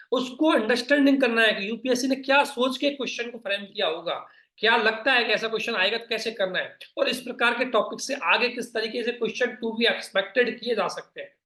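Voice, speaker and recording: A man with a high voice rattles off exam-strategy advice at a fast clip. He speaks directly to his viewers, coaxing them and checking in often, and the recording carries a roomy echo. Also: a bit bright. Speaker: exam prep coach.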